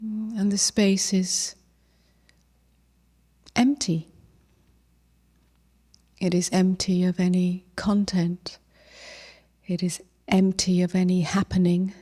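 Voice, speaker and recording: A woman leading a guided meditation as a teacher, gentle and unhurried, with long pauses and soft, breathy phrase endings. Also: on the low side, flat delivery.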